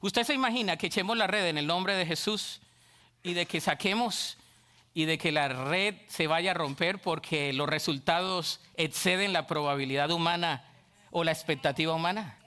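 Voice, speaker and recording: A middle-aged male pastor preaches with a high, bright voice. He talks animatedly and slips into playful voices of church members. His delivery stays warm toward the congregation and full of energy. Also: normal speed, smooth. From Colombia. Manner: lively preaching, acts out voices of church people. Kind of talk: sermon.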